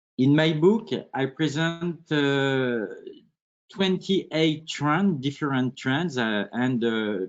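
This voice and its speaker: The delivery is very slow, with lively intonation. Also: man, fairly high pitch for a man. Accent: French. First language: French. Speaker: packaging expert, author. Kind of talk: presentation. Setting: online webinar. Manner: halting, many fillers.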